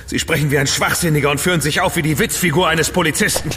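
A man's voice: on the high side, fairly even intonation, fast, very noisy, natural voice. A man playing a haughty, indignant dandy writer. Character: indignant refined male dandy writer, proud and sharp-tongued. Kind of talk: radio play acting.

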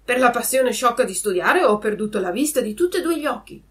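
A woman's voice: on the high side, expressive, a little fast, voice pushed up, close to an everyday voice. A woman voicing a sly male cat pretending to be blind, speaking mock-solemnly in a storybook reading.

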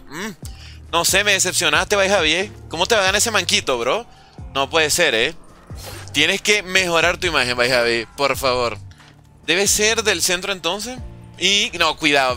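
A man talks through a live game session, teasing his viewers and riffing on their messages. His voice sits a little high and sounds very bright and sharp, with lively rises and falls. Soft music plays faintly behind him. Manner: chatty, teasing, animated. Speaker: game streamer. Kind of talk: casual live gameplay commentary, reading chat.

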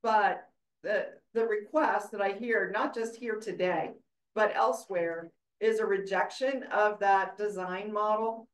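A woman's voice: mid-range voice, fairly even intonation. Woman chairing a roomy public meeting. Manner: measured, hedging with "I think". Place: meeting room. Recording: roomy hall mic from far off.

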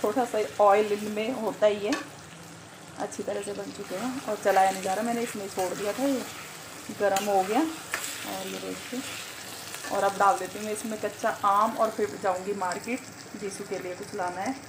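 A woman's voice: medium pitch, fairly even intonation, moderate pace, reverberant, background noise. A woman chatting casually to her viewers while she cooks at home, talking through each step with many fillers. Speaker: vlogger. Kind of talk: casual cooking vlog narration. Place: home kitchen and rooftop.

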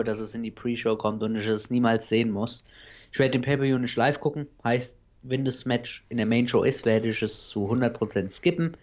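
A man's voice: mid-range voice, dull audio. A man co-hosting a casual podcast, blunt and dismissive, swearing freely. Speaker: podcast co-host.

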